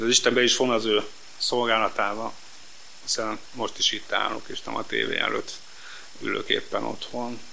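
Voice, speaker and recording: With noticeable background noise and audible room echo, a man speaks at a moderate pace, taking long, frequent pauses. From Budapest, Hungary. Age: 40s. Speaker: bus driver giving testimony. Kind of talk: testimony.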